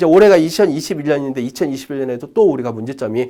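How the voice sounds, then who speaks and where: His pitch rises and falls across a very wide range. The man's tone is dark and mellow. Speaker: university evaluation center head. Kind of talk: conference presentation. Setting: online forum recording. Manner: fast.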